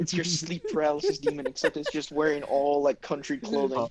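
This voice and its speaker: A voice with an American accent comes through noticeable background noise. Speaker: podcast co-host. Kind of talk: casual chat.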